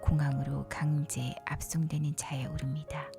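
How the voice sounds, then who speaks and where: A woman whispers a bedtime story softly and breathily, leaning into a gentle, unhurried narration with short pauses between phrases. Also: low-pitched, little pitch movement, gravelly. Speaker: narrator retelling a film story for sleep. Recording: soft music behind the whispering. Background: music.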